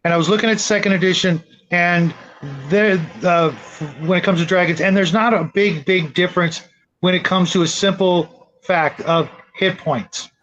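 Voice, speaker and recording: A man's voice: high-pitched, normal speed, fairly bright tone. A man on a podcast panel, casually explaining his point of view over a dull, lo-fi mic. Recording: dull lo-fi mic, clear background noise.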